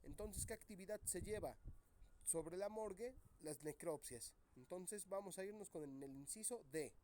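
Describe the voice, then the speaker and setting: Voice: mid-range voice, moderate pace. A teacher going over exam questions with students, reading each option aloud and reasoning through it. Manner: reads options aloud, thinks out loud. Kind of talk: classroom exam review.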